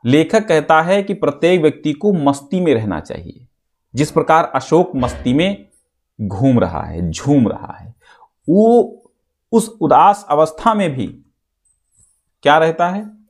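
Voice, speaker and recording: A man teaching an exam-prep lesson, explaining step by step and reciting verse slowly. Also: on the high side, lively intonation.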